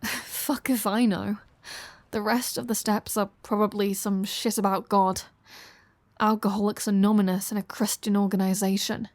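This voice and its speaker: A woman's voice: medium pitch, level tone, moderate pace, a little mellow, dry recording, natural voice. A woman playing a flirty, sardonic female vampire in an audio roleplay, teasing the listener with dry sarcasm.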